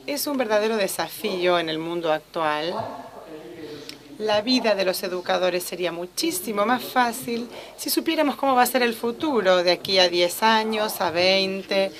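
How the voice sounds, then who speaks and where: A woman interprets a lecture live, keeping a steady, fluent flow with only the odd restart. Her voice sits at an ordinary middle pitch. The sound of a gathered audience is clearly heard behind her. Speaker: simultaneous interpreter.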